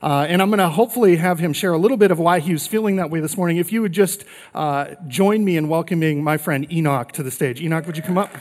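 A man's voice: on the high side, fast, hardly any pauses. A man serving as pastor, making announcements and interviewing a guest on stage in an upbeat, friendly way. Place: large church auditorium, on stage. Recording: reverberant church hall.

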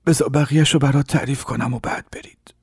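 An actor playing a grieving older village man who retells a tragedy in a hoarse, halting, sorrowful voice in an audio drama. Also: mid-range voice, steady tone, darkish tone, no echo, studio quality. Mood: grief-stricken. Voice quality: hoarse, raspy. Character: grieving old village man recounting horrors.

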